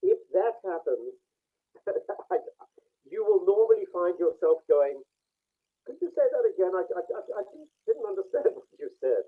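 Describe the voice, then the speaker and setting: A man with a slightly high voice talks someone through a face reading on a video call. He speaks reflectively, pausing often. The sound is thin and phone-like. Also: sing-song, husky. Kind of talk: online group session. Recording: tinny phone-like call audio.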